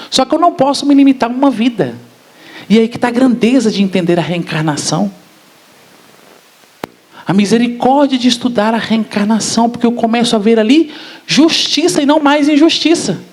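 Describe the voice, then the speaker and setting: A man giving a spiritist public lecture, often asking the audience questions. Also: very high-pitched. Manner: asks the audience questions, animated.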